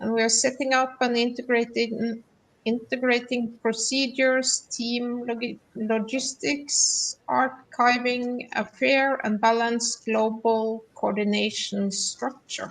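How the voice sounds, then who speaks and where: A woman speaks at a very slow pace with hardly any pauses, her pitch fairly high. Her intonation is monotone and flat over a quiet background. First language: Norwegian (speaking Portuguese). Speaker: council representative. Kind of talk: prepared presentation.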